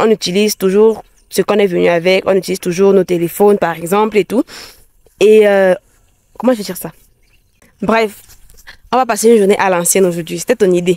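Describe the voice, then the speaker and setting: The speech moves at a fairly quick clip. Long pauses break it up often. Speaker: couple vlogger. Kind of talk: casual vlog talk to camera.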